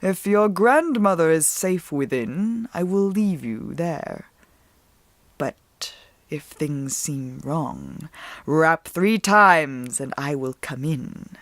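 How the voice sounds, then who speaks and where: A woman voicing a grave, courteous, vengeful male wolf in a storybook reading, with a low, growling, breathy voice and slow, solemn delivery. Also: animated, no room sound, exaggerated voice.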